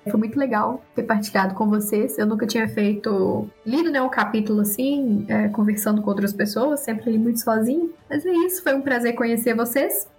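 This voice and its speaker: Woman guest on a podcast, kinda high voice, chatty and teasing, faint music. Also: brisk, creaky, hardly any pauses, darkish tone, rough recording. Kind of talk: casual podcast chat.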